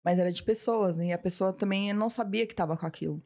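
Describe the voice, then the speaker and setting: A woman in her thirties speaks in a casual interview, her voice mellow and warm. She is a massage therapist who tells her story with many retold exchanges, acting out the voices. Her pitch sits in the middle. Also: quick pace. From Brazil. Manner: storytelling, often acting out what she and others said.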